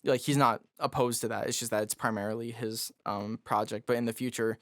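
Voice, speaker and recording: A man with a raspy, somewhat high voice, chatting loosely as a podcast guest. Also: steady tone, brisk, no echo, clean studio sound. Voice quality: raspy, higher voice. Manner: loose and jokey, lots of fillers. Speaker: guest musician. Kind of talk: casual podcast conversation.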